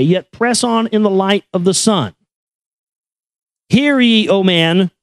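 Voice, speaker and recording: Man, high voice, solemn incantatory recitation, unhurried pace, dry close sound. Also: no room sound, low-quality recording. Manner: incantatory, measured, deliberate. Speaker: reader and commentator. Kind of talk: solemn recitation of an esoteric text with brief asides.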